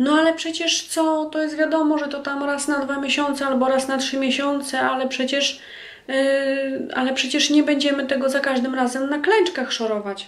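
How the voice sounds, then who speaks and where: This woman speaks high in pitch at a moderate pace, her intonation fairly even. Audible room echo surrounds her voice. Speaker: vlogger. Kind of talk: vlog. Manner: hesitant, many fillers. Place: home room. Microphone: phone near.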